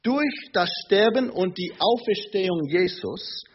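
Preacher, male, lively pitch, muffled lo-fi sermon tape. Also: a little hiss or hum. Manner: slow, emphatic preaching with rising intensity; hesitant fillers between phrases. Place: church in Munich. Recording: dull lo-fi sermon recording.

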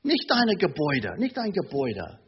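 Preacher, male, lively pitch, muffled lo-fi sermon tape. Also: slightly rough. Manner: slow, emphatic preaching with rising intensity; hesitant fillers between phrases. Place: church in Munich. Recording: dull lo-fi sermon recording.

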